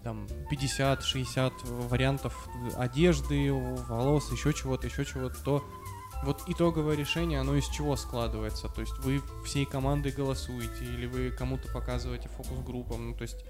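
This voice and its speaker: A man's voice: medium pitch, fairly even intonation, brisk. Male interviewer with music behind him. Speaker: interviewer, show host. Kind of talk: casual interview questions. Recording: music clearly audible behind voice.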